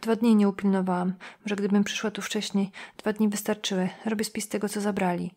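A woman reading the lines of an anxious, worn-out mother who runs a small pawnshop, speaking quietly. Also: medium pitch, level tone, fairly quick, close to an everyday voice. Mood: shaken. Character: frightened, worn-out older mother, pawnshop owner.

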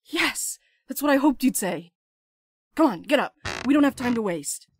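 A woman's voice: high-pitched, lively intonation, normal speed, husky, dry recording, clean studio sound. A woman playing a restless, blunt courier in an audio drama, urgent and sardonic, eager to escape. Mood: eager, teasing.

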